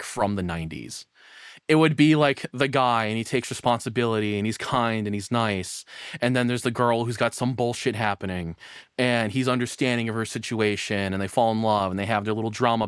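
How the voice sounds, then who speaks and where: Man, mid-pitched, crisp voice, casual reaction commentary, blunt, profane, rambling, close dry recording. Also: no room sound. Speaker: streamer reacting to a video.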